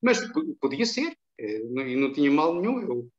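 An older man from Angola tells his stories in a calm, chatty way, his voice sitting a little high for a man. He speaks from a plain room over a video call, and the sound comes through dull and lo-fi. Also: normal speed. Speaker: guest. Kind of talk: casual interview chat, telling anecdotes. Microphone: webcam on a video call.

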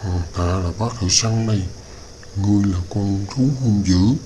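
Cartoon hunter, played by a man: protective, commanding, lowish voice, clearly noisy recording. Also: steady tone, moderate pace, mellow, lightly acted. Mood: urgent, commanding. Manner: urgent, repeating commands. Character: brave male hunter protecting a girl, commanding. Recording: noisy home-made cartoon dub, ambience behind.

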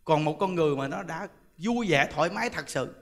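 A man's voice: a little high, lively intonation, fairly quick, fairly bright tone. A man with a Southern Vietnamese accent, a Buddhist monk giving a humorous Dharma talk, chatty and joking as he tells stories and laughs often. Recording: long hall reverb.

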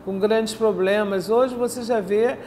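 A woman's voice: medium pitch, fairly even intonation, a little mellow, slight background noise. An older woman interviewing a guest in a TV studio, recounting anecdotes at length with repeated phrases, recorded on a lapel mic. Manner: anecdotal, drawn-out storytelling with repeats. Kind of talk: casual studio interview chat. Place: bright indoor TV studio, seated.

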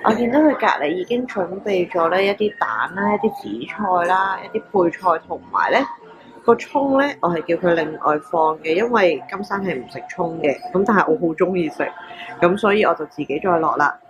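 A woman's voice: on the low side, a little fast, muffled recording. Chatty Hong Kong Cantonese woman vlogging. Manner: chatty and excitable, exclaiming over food. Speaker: travel vlogger. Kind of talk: casual vlog narration. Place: restaurant table, indoors. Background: background music.

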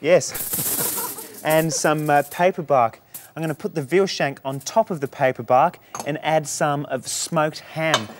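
A chef with an Australian accent explains a dish step by step on a studio kitchen set, his voice on the high side and measured in pace. It's a cooking demonstration, relaxed, explanatory and chatty.

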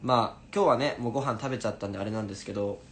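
A man in his twenties chatting casually on a livestream in an animated way, answering viewers as he goes. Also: fairly low pitch, rapid-fire. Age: 20s. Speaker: stage actor livestreaming to fans. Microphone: phone at arm's length. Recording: noisy room ambience, phone livestream.

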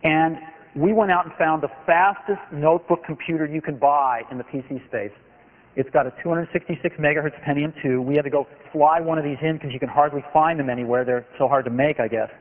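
A company executive in his forties delivers a product keynote from a large conference hall stage, his fairly high voice moving a little fast. His delivery is enthusiastic and emphatic, pure salesmanship, preserved in a tinny, lo-fi archive recording of the hall.

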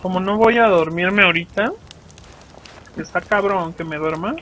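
A young man with a Mexican Spanish accent and a fairly high voice runs loose, swearing commentary over his gameplay. He jokes freely and keeps talking straight to his viewers. A faint hum of noise sits behind him. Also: normal speed, pushed and bright, poor audio. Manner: profane, joking, talks to viewers while playing. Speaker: gaming channel host. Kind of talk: casual let's play commentary.

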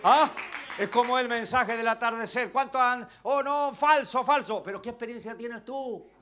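A male pastor with a Chilean accent preaching a sermon, swinging between shouts and hushed asides and calling out rhetorical questions to the congregation. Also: very high-pitched, moderate pace. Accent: Chilean Spanish. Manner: impassioned, swinging between shouts and near-whispers.

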